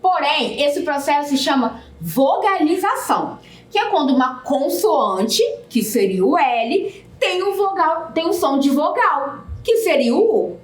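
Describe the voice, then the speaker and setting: A woman teaching a recorded video lesson, explaining words slowly and spelling out syllables. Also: high voice, sing-song. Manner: slow, deliberate syllable-by-syllable explanation. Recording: echoey room, a bit distant from the mic.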